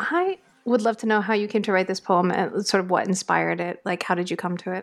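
Here a woman talks at a very fast pace with vocal fry. Her intonation stays fairly even. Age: 30s. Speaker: podcast host and magazine editor. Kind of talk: interview.

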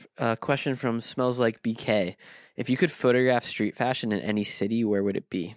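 A man with an American accent speaks at a medium pitch in a plain, everyday voice, moving at a fairly quick pace with fairly even intonation and big swings in loudness, recorded very cleanly against a silent background with a dry, close sound and no echo. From Pennsylvania. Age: 30s. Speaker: podcast host, photographer. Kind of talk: casual interview. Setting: studio.

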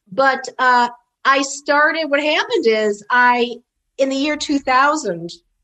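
A woman with an American accent speaks at a very slow pace in a raised, projected voice. Her pitch is high, her tone bright and sharp, and her intonation lively. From New York. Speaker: psychic medium. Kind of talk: interview about personal experiences. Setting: video call. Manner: loud.

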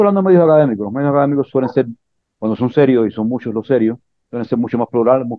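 This man speaks at a very fast pace. He has a Cuban accent. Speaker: political scientist. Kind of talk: interview.

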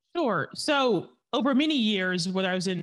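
Against a quiet background, a woman speaks in a Southern US accent. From rural Tennessee. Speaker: author and speaker, former political staffer. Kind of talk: interview.

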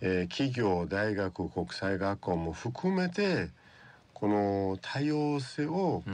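A man with a Persian accent speaks very slowly at a fairly low pitch. His intonation is lively while his loudness stays very even. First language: Persian (speaking Japanese). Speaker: environmental NPO head. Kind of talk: radio interview. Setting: studio.

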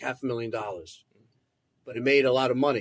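With an ordinary speaking voice, a man talks at a medium pitch with ordinary pitch variation. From New Jersey. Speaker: interviewer. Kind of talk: interview.

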